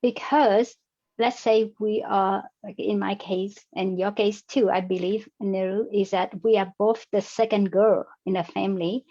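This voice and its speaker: Slow-spoken woman. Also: mid-range voice, fairly even intonation, dark tone. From Vietnam. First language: Vietnamese. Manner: slow and careful, explaining step by step. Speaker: EFT practitioner. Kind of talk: online workshop presentation. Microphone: video call. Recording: dull lo-fi video call audio.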